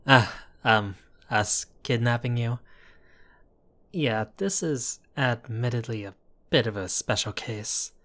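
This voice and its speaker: A man's voice: mid-range voice, a bit bright, close to an everyday voice. A man playing a chatty, apologetic mafia boss in an audio roleplay, talking to the listener in a wry, exasperated, placating way. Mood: apologetic, awkward. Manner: conversational, wry, placating, theatrical asides.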